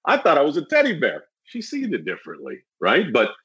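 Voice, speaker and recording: A man, a real estate agent, talking casually in an interview, acting out clients and his old sales pitch and stumbling over repeated words. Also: fairly quick, slightly rough. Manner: animated storyteller, acts out clients and his old sales pitch, laughs often; repeats words when starting. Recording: dull lo-fi sound.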